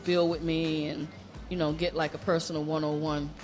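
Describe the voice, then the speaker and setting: Joking radio host, faint music. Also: male voice, on the high side, little pitch movement, normal speed. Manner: loose, joking, heavy on "you know" and "like". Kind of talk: casual radio banter.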